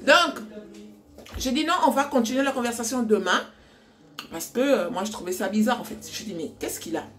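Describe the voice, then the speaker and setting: A woman's voice: fairly high pitch, moderate pace, a bit bright, soft background music. A young adult woman vlogging at home, casually retelling a story with lots of quoted dialogue. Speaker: cooking vlogger. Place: home kitchen.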